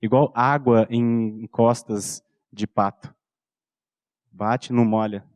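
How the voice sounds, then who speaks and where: A man in his thirties with a Brazilian Portuguese accent, preaching a sermon and telling a personal story, acting out soft-spoken dialogue with his son. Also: mid-range voice, fairly even intonation, slow pace, no echo. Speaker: pastor.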